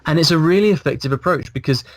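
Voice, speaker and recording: A man in his thirties, a guest on a video call, talking in a casual, animated way and restarting his sentences as he thinks aloud. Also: a little high, fast talker, no room sound. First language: English. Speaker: guest, language blogger. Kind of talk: casual interview. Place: small room indoors. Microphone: video call, earphones, mic in front.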